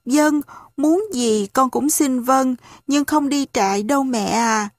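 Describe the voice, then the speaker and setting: A woman's voice: sits high, takes it slowly, no echo, clean studio sound, pitched above the performer's own voice, full character voice. A woman voicing a frightened young orphan boy who pleads and begs in a tearful way. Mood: begging.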